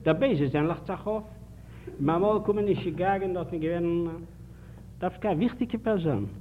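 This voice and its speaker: A man lectures in a fairly high voice, driving his points home with pointed questions and little stories. He sounds thin and narrow, like an old archival tape played over a phone line. A soft hiss runs underneath. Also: moderate pace. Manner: animated, emphatic, rhetorical questions to the audience. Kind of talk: public lecture with anecdotes.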